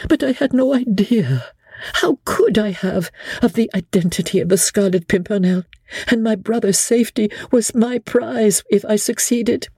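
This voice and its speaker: A woman's voice: mid-range voice, moderate pace, a little mellow, husky, dry recording, voice pushed up. A woman voicing an earnest, desperate English lady in a dramatic audiobook, urgent and resolute as she pleads. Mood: desperate, pleading.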